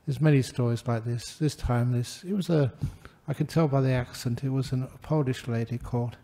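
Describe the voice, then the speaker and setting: An older man, a Buddhist monk giving a gentle, humorous dharma talk to a gathering. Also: mid-range voice, fairly quick, gravelly. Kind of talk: relaxed dharma talk with anecdotes.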